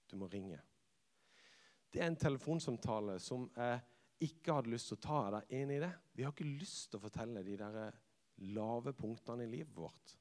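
Man, youth preacher, acts out quotes, goes loud then hushed, ordinary pitch, echoing church hall. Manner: lively storyteller who acts out quotes and drops to hushed tones. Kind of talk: personal storytelling sermon. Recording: long reverb of a church hall.

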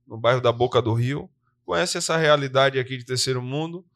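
A man co-hosting a live podcast, a police soldier, talking in a lively, chatty way and often tagging his sentences with questions. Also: medium pitch, brisk, creaky. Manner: lively, talkative, often tags "né?".

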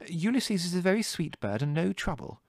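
A man voicing a middle-aged mother in an audiobook, gentle and fond, fussing and soothing but firm. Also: medium pitch, very animated, a little fast, vocal fry, no echo, studio quality, voice pushed up. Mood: placating. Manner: hesitant, soothing, fond protests. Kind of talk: audiobook character dialogue.

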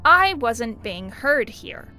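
A woman's voice: fairly high pitch, big pitch swings, takes it slowly, sharp tone, faint music behind, heavily acted. A woman playing a menacing, wounded siren in an audio drama, taunting and accusatory. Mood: hurt, accusing.

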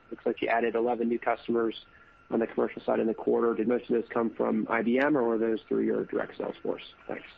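A man's voice: mid-range voice, gravelly. A man calling in as an analyst to ask questions on an earnings call, stumbling and repeating words. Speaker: analyst caller. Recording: tinny, narrow phone line.

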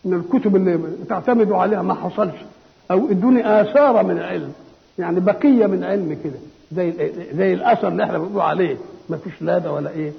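Older man, Egyptian accent, high voice, conversational Quran commentary, slow solemn verse recitation, dull lo-fi sound. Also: gravelly. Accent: Egyptian Arabic. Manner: conversational, asks and answers his own questions. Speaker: Islamic scholar giving Quran commentary. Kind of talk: colloquial Quran exegesis lecture. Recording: dull lo-fi recording with long hall reverb.

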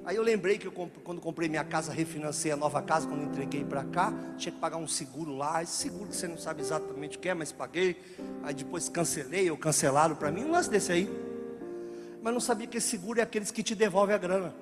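A man with a Brazilian Portuguese accent preaching a sermon as a joking, animated story, acting out the dialogue as he goes. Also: fairly high pitch, quick pace. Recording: reverberant hall with music behind.

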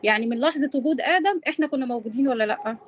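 A woman's voice: high-pitched, very fast, slight background noise. A woman in her forties with an Egyptian accent in an informal live debate, insisting on being allowed to finish her points. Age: 40s.

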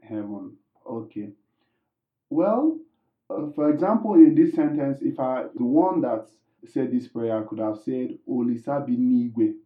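A man's voice: mid-range voice, lively intonation, unhurried. Male Igbo-native teacher, patient explainer, roomy tinny call audio. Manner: explains patiently with many ums and restarts. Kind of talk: casual language lesson.

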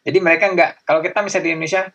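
A young man talking in a relaxed conversational way, with lots of fillers, acting out the greetings he describes. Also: fairly high pitch, racing, breathy edge. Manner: chatty, many fillers, acts out greetings. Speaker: guest. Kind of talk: casual chat.

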